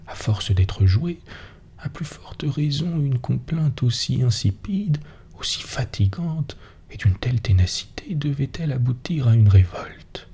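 A man in a whispered role-play, softly narrating an old folk tale. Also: mid-range voice, a little hiss or hum. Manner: soft whispered storytelling. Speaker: storyteller.

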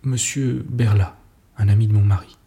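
Man voicing a distraught society lady, breathless, emphatic, gravelly, dark. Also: on the low side, steady tone, moderate pace. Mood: agitated, insistent. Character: distraught, insistent middle-aged society lady.

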